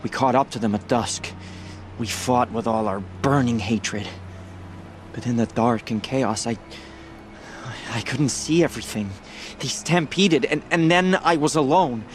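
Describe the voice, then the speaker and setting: A man plays a haunted tribal warrior from a game, shaken and pleading. His medium-pitched voice comes haltingly, with faint noise behind it. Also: natural voice. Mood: grief-stricken. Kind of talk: video game dialogue acting.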